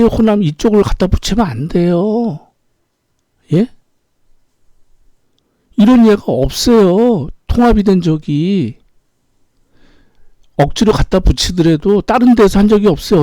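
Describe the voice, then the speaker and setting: Brief: middle-aged man, political commentator, indignant, rhetorical, fairly high-pitched, dark tone, dry room. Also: dry recording. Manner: indignant, rhetorical questions, repeated "예?". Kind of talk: opinionated political monologue.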